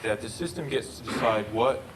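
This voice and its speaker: A man presenting research and answering questions, halting and often repeating words. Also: medium pitch. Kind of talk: research talk Q&A. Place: lecture room. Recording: noisy room recording.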